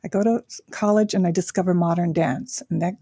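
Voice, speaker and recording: An older woman from Japan, a guest talking reflectively in a casual interview, pausing often with fillers. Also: on the low side, fairly even intonation, dark tone, slightly rough, dry recording, clean studio sound. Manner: reflective, with frequent pauses and fillers.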